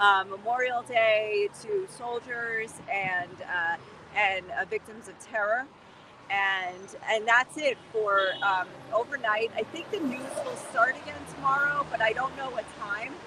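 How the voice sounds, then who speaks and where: Over noticeable background noise, a woman shouts loudly at a fairly slow pace, her fairly high voice full of lively intonation. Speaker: livestreamer. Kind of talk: live outdoor vlog commentary. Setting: outdoors on a busy street. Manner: loud, yelling over traffic; hesitant, many fillers.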